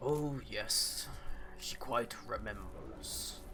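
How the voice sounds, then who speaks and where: A man puts on a character voice at a medium pitch. Loud background noise fills the recording. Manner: cold, crisp.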